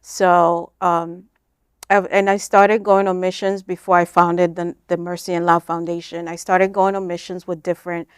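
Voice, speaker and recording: A woman's voice: lowish voice, little pitch movement, moderate pace, smooth, dry recording, studio quality. A woman from Kenya answering interview questions in an informal, explanatory, conversational way. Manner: informal, explanatory, frequent "like" and "you know". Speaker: interview guest, nonprofit founder.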